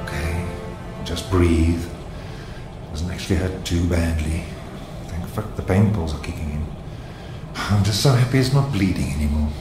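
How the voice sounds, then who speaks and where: A man's voice: low voice, normal speed, pauses often, lightly acted. An actor playing an anxious, guilt-ridden gay boyfriend in a radio drama, switching between forced casualness and fretful inner monologue. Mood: anxious self-blame. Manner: swings between forced casual cheer and fretful self-talk. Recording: roomy radio drama with faint music.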